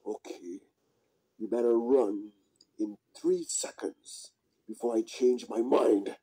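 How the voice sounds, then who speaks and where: A puppeteer voicing a hungry, gloating wolf villain with drawn-out, menacing delivery in an amateur puppet show. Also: medium pitch, steady tone, dark tone. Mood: sly. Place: small indoor room, behind puppet curtain.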